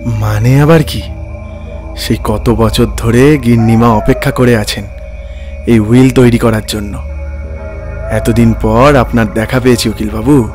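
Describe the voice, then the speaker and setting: A man playing a sinister ghostly village servant in an animated horror story, deferential yet insistent and menacing. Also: medium pitch, lightly acted.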